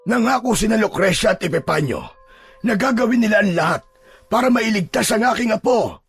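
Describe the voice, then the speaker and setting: Man playing a very husky old grandfather. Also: sits high, expressive, a little fast, soft background music, exaggerated voice. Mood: concerned, soothing. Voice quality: gravelly, husky. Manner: earnest, soothing. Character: gentle, remorseful old grandfather consoling his daughter. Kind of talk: Filipino audio drama acting.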